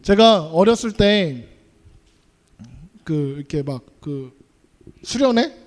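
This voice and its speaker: High-voiced man preaching to youth. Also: lively intonation, slow. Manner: conversational, asks the audience questions. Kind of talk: sermon.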